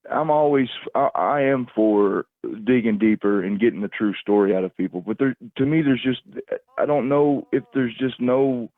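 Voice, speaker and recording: A man calling in to a livestream over a phone, rambling casually in a halting, repetitive way as he searches for words. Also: medium pitch, dry recording. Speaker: call-in caller on a livestream. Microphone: phone call. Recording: tinny, narrow phone-call line, dry.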